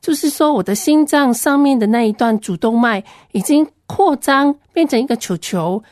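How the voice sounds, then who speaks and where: High-voiced woman. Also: expressive, moderate pace, a little mellow, no room sound, clean studio sound. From Hong Kong. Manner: earnest, plain storytelling. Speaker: Christian ministry worker giving a testimony. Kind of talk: personal testimony storytelling.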